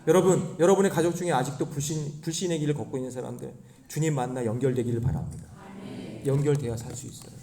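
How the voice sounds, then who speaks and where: Pastor guy preaching, lively swooping voice, keeps asking the church questions. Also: a little high. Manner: animated, rhetorical questions to the congregation. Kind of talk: sermon. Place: church sanctuary.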